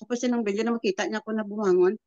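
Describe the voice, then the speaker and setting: Older woman in her 70s sharing a testimony. She rambles and acts out the dialogue. Mid pitch, muffled lo-fi call audio. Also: steady tone, mellow, no echo. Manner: rambling, halting storytelling that acts out quoted dialogue. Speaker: prayer group member sharing a testimony. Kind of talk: personal testimony, casual storytelling.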